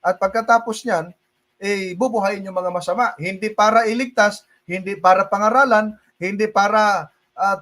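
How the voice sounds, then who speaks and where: A man's voice: high-pitched, fairly bright tone. A man with a Filipino accent preaching a livestream sermon and answering viewer questions, switching between Tagalog and English and often laughing as he calls his listeners brothers and sisters. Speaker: pastor.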